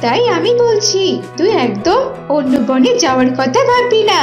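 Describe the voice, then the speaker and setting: An anxious mother fox played by a woman in a cartoon, with a very high voice. She is emphatic, protective and pleading, in a roomy echo over faint music. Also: big pitch swings, moderate pace, muffled recording. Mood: scolding, worried. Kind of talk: cartoon voice acting.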